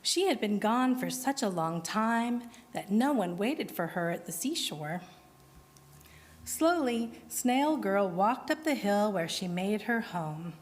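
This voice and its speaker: Slow-reading woman storyteller. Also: mid-range voice, long reverb tail. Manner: slow, expressive read-aloud. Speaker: story reader at a worship service. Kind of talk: storytelling narration. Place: congregation meeting hall.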